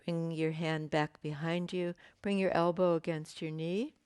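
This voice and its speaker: A woman teaching a yoga class, giving gentle, unhurried cues with pauses and fillers, her voice slightly croaky. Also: low voice, level tone, no room sound, studio quality. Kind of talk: guided yoga class instruction.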